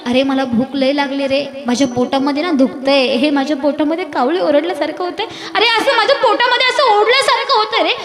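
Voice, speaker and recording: A woman's voice: high-pitched, fairly even intonation, a little fast, hardly any pauses, a loud crowd, lightly acted. A woman preacher voicing a hungry, grieving young schoolboy in a plaintive, pleading tone within a devotional sermon.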